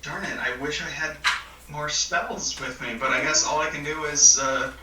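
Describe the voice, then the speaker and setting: Male tabletop player, casual, fairly high and piercing, recorded away from the mic. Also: fairly even intonation, normal speed, distant mic. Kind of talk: casual game chat. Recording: echoey room, off mic, faint noise.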